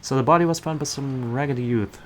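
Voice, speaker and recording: A man's voice: mid-range voice, quick pace, a bit bright, a little hiss or hum, pitched above the performer's own voice, lightly acted. A man reading the part of a cynical, world-weary guardsman in a visual novel. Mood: weary, matter-of-fact. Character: gruff, cynical male slum guardsman reporting a murder.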